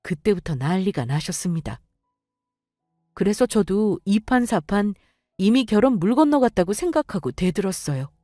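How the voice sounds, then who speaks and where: A woman's voice: medium pitch, big pitch swings, normal speed, mellow, no room sound, clean studio sound, soft background music. A young woman narrating her own story in an indignant, confiding way. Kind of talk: scripted first-person story narration.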